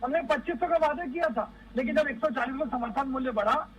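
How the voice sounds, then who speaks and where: A man's voice: extremely high pitch, fast, dull audio. A man speaking as an opposition spokesperson in a TV debate, pressing accusing questions in a combative way. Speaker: opposition party spokesperson on a TV panel. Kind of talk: political TV debate.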